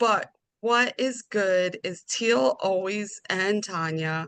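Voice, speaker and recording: A woman talks with a strong Long Island accent at a medium pitch with lively intonation. The sound is dry and close, with no echo. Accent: Long Island accent, strong by her own account. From Long Island, New York. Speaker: real estate agent. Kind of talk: webinar panel discussion.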